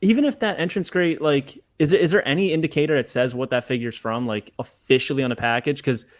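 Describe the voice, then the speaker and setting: A man's voice: medium pitch, fast talker. A man in a casual podcast chat, insistent and repeating himself as he makes his point. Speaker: podcast guest.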